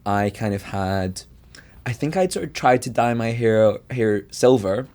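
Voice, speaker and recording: A man's voice: fairly low pitch, unhurried, darkish tone. A Scottish man in his thirties co-hosting a podcast, telling stories in a playful, self-mocking way. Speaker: podcast co-host. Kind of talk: casual chat.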